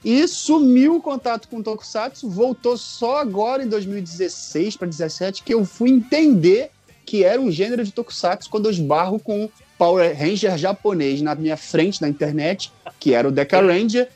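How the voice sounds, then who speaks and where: Higher-voiced Brazilian man telling stories. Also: normal speed, soft background music. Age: 40s. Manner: animated, jokey, colloquial storyteller. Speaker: podcast guest. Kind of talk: casual chat, telling personal stories.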